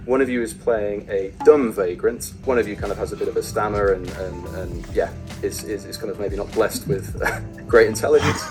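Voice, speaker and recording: A man working as a voice director, explaining things informally in a hesitant, softened way. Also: fairly low pitch, moderate pace, music in the background. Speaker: voice director briefing actors.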